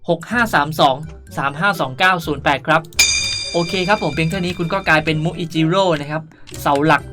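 A man's voice: a little high, pushed and bright. A young man hosting a casual game tutorial, rambling on in a playful, chatty way. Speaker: gaming channel host.

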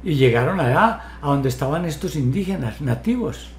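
A man with a slightly raised pitch talks in a direct, lecturing way, pressing with question after question. He is on a video call from a home study, and the sound is roomy with a faint hiss of ambience behind him. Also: animated, moderate pace. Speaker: hypnotherapist. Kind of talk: online therapy session.

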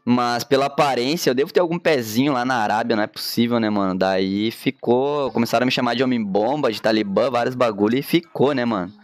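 A man in his thirties from Rio Grande do Sul, a graphic designer and streamer, talks fast with hardly any pauses as he draws live. His mid-range voice carries a gaúcho Brazilian Portuguese accent, and his manner is slangy, easygoing and full of filler tags. Recorded on a headset in an indoor home studio, the audio has no room sound.

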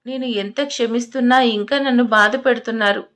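Storybook role: an anxious, tearful young mother, read by a woman narrator, fairly high voice. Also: fairly even intonation, fairly quick, fairly bright tone, lightly acted. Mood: frightened. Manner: pleading, tearful.

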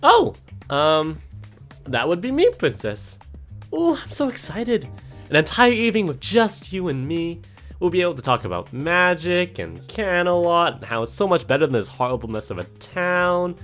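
A man's voice: fairly high pitch, very animated, moderate pace, a bit bright, soft background music. A man voicing a smug, eager, know-it-all young female unicorn in a cartoon parody. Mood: giddy.

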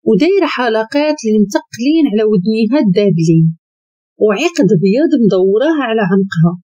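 Lively young-sounding Moroccan woman narrating. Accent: Moroccan Arabic. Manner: lively first-person storytelling, quoted lines voiced with higher pitch. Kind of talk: storytelling narration.

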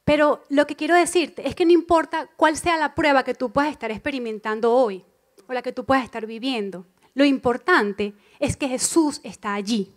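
A woman preaching a sermon to a church congregation, emphatic and expressive, repeating key phrases and acting out inner voices. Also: sits high, normal speed. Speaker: church speaker.

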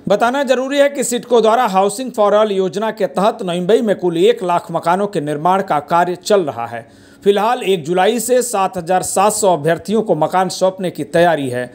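A man narrating a news report as a reporter, in steady, formal narration. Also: high voice, moderate pace.

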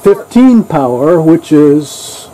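Joking older man, dark voice, in a motor home. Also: a little high, very animated, slow pace, slight background noise, poor audio. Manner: joking, chatty, reads out a manual. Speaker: channel host. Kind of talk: casual cooking demo chat. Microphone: camera mic from across the room.

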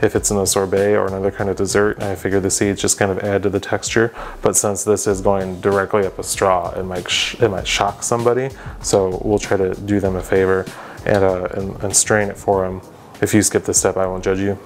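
A young man with a lowish voice walks viewers through a recipe in his home kitchen. He speaks straight to the camera and slips in dry, deadpan jokes between the steps. Soft music plays faintly behind him. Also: a little fast. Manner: deadpan joking asides to the viewer. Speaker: cooking show host. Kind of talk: scripted cooking demonstration.

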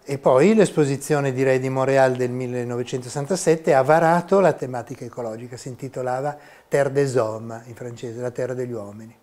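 Un uomo sulla sessantina, professore universitario, risponde alle domande con tono misurato e spiegativo. La voce ha un'altezza media, né grave né acuta. Si sente ripreso da vicino con un microfono a clip, in un piccolo ufficio. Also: male voice, medium pitch, fairly even intonation, darkish tone. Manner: measured, explanatory, gesturing with his hands. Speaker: history of science professor. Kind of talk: interview answers. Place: small university office. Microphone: lapel mic.

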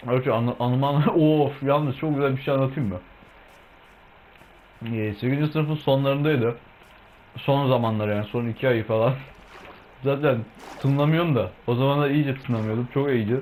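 A man's voice: medium pitch, a little mellow, slight background noise, rough recording. A young man hosting a casual gameplay video, rambling and swearing freely as he eats while he talks. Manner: chatty and rambling, munching food while talking, swears freely. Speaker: gaming video host.

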